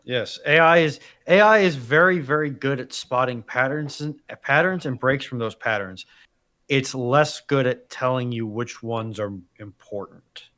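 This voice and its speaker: A man's voice: medium pitch, a little slow, bright, forceful tone. A man chatting casually as a co-host on a livestream.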